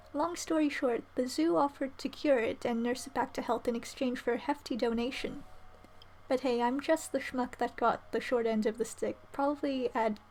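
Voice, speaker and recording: A woman streaming a game, commenting casually and reading the dialogue aloud in an animated way. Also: a little high, low-quality recording. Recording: slight background noise.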